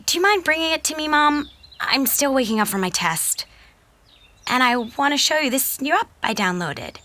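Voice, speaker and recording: A woman's voice: high-pitched, expressive, normal speed, bright, forceful tone. A woman playing a casual, tech-keen teenage daughter in an audio drama, with a youthful way of talking. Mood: casual, chirpy.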